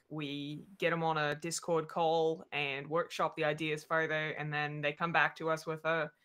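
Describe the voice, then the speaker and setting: A woman's voice: low-pitched, pushed and bright. A woman talking casually as a podcast writer, explaining things on a video-call panel. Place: indoor room at home, video call.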